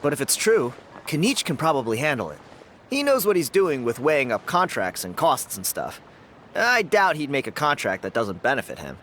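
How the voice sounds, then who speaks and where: A man's voice: medium pitch, huge pitch swings, normal speed, a little hiss or hum. A man voicing a cocky, friendly young tribal dancer in a video game, talking in an easygoing, boastful way. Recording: game audio with loud music underneath.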